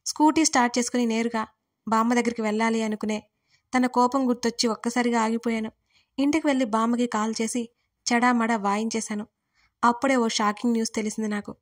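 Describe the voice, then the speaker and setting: A woman's voice: a little high, fairly even intonation, quick pace. A young adult woman telling a romantic audio story in the first person, in an intimate, emotional narrating voice.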